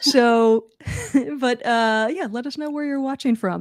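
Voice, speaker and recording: In a Philadelphia accent, a woman speaks at a moderate pace with ordinary pitch variation. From Philadelphia, US. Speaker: comedian and copywriting reviewer. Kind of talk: casual live-stream chat. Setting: live stream from home office.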